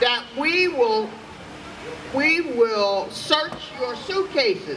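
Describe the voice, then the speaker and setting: A woman is speaking in a space with audible room echo. Noticeable background noise runs underneath. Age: 80s+. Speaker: retired high school principal. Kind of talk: reunion speech.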